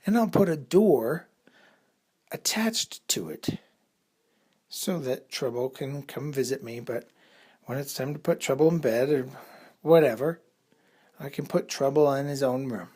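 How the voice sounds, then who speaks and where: A man tells a made-up bedtime story to children. His voice is a little husky and breathy, and he takes his time, pausing as he works out each next part. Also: mid-range voice, animated, a little mellow.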